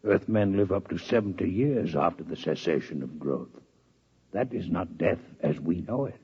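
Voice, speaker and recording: Very husky, courteous alien scholar. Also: male voice, low voice, expressive, full character voice. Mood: grave, musing. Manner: formal, measured, precise diction. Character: courteous, scholarly six-legged male alien doctor, intensely curious. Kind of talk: 1950s radio drama acting. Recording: muffled old radio broadcast recording.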